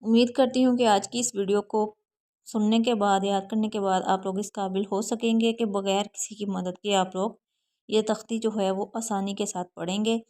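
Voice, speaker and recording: A woman teaching Quran reading in Urdu with a South Asian accent, spelling out letters slowly one by one and then explaining the rules quickly. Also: mid-range voice, steady tone, warm tone. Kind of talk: slow syllable-by-syllable recitation lesson.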